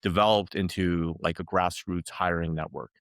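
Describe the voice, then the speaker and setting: A man from China, a guest, speaking in a relaxed, candid interview manner with many "like"s. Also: low-pitched, moderate pace, dry recording, clean studio sound. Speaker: guest, company founder. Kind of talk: casual interview talk.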